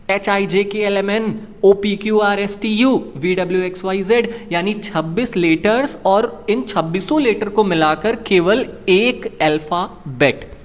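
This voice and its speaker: A man teaching a beginners' lesson in a chatty classroom manner, often asking the listener rhetorical questions. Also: high voice. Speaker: English teacher. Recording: long reverb, echoey room.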